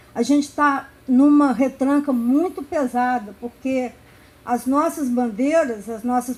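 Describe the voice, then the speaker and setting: A woman speaks with high pitch. Music plays in the background. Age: 70s. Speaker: human rights activist, panel speaker. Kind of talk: speech at a public debate. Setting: university event with audience. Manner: halting, many repetitions.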